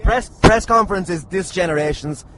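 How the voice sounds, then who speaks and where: A man's voice: sits high, normal speed. An Irish man hosting a podcast with casual, jokey, teasing chat and some swearing. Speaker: podcast host. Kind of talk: casual comic banter. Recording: very noisy, slightly distant at times.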